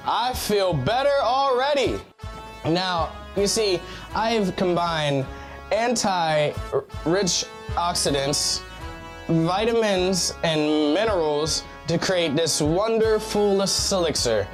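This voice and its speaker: Brief: man as slow, sing-song quack pitchman, guitar behind. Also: animated. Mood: salesy. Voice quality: salesy, pitchman. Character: slick quack doctor selling tonic. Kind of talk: parody commercial.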